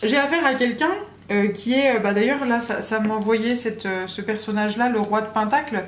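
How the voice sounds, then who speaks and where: A woman's voice: on the high side, normal speed. Hesitant woman doing tarot guidance, echoey room. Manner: hesitant, many fillers and restarts. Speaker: tarot reader giving channeled guidance. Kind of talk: casual spoken guidance to the viewer. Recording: echoey room with faint background hum.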